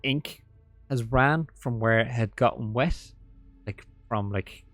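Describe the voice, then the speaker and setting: A man narrating as game master, talking in a halting way full of fillers and restarts. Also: mid-range voice, no room sound, faint music behind.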